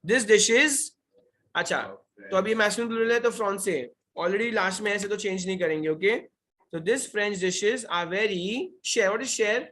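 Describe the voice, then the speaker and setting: A young man with an Indian accent teaches an online French revision lesson at a slow pace, his high-pitched voice a bit bright. He questions his students, repeats the key points, and mixes Hindi and English, with slight background noise behind him.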